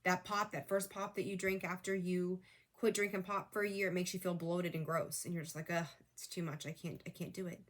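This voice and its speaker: A middle-aged woman with a slightly low voice gives a casual tarot reading to her viewers. She coaches them earnestly, repeating her points over and over. Her voice is wearing thin, and she clears her throat now and then. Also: flat delivery, a little fast. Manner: earnest, repetitive coaching, talks straight to viewers. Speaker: tarot reader.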